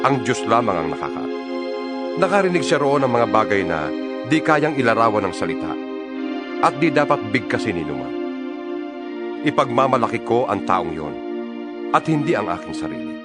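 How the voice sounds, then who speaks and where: A man playing an earnest, defiant yet humble apostle in a dramatized audio Bible, speaking emphatically with dramatic pauses. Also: medium pitch, close to an everyday voice. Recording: music under the voice. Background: New-age style music.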